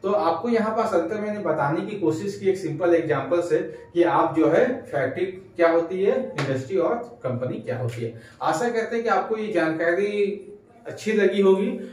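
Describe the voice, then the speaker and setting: A young man teaching at a whiteboard in a casual lesson, explaining step by step and answering his own questions. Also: high-pitched. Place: small bright room at a whiteboard, indoors. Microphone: clip-on lapel mic. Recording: very echoey room, voice from some distance.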